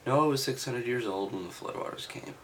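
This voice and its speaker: A man reading aloud and adding halting, offhand, skeptical commentary with sardonic asides. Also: mid-range voice, a little hiss or hum. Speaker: reader and commentator.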